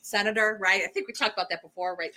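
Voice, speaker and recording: A woman's voice: medium pitch, fairly even intonation, fast, bright, forceful tone, a little hiss or hum. A woman co-hosting a casual political chat in a bar, talking conversationally and often tagging her points with "right?". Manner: conversational, leans on tag questions. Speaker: co-host.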